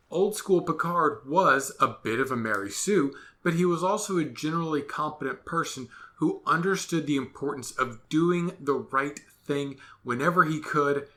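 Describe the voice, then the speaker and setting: A man's voice: on the high side, sharp tone. A man ranting sarcastically in a solo commentary monologue, exasperated and full of absurd comparisons. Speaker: podcast host.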